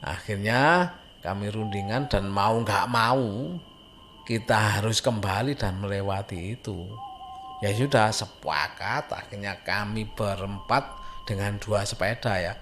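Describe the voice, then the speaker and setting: A man's voice: fairly low pitch, a little slow, fairly bright tone, a little hiss or hum. A man with an East Javanese Indonesian accent tells a scary story informally, conversational and suspenseful, repeating phrases for emphasis. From Indonesia, a Javanese-speaking village. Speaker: horror story narrator. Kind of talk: informal spoken ghost storytelling.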